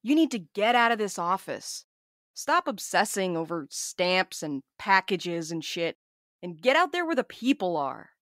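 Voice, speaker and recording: Wry, lively-pitched courier played by a woman. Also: measured pace, no room sound, clean studio sound. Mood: blunt, teasing. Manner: wry, blunt, casual. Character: blunt, sarcastic, sweary courier with a soft side. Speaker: voice actor in audio drama. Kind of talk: scripted audio drama acting.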